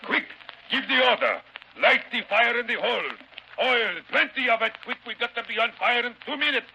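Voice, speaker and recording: An actor playing a ruthless pirate captain with a Hispanic accent, gravelly and mockingly polite in broken English, in 1930s radio style. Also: male voice, extremely high pitch, expressive, moderate pace, bright, forceful tone, heavily acted. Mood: urgent, threatening. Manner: broken English, sly chuckling menace. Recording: dull, hissy old 1930s radio recording.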